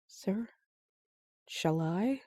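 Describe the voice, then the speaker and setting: A woman voicing a polite, proper young guardsman in a fantasy audio drama, with courteous, measured phrasing. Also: mid-range voice, expressive, warm tone, dry recording, studio quality. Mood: tactful.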